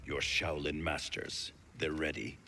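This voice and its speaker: A man playing a stern, distrustful warrior commander in a video game, curt and commanding, with a gravelly voice. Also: rumbling low, little pitch movement, a little slow, very noisy. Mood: grim. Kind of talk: cinematic video game acting.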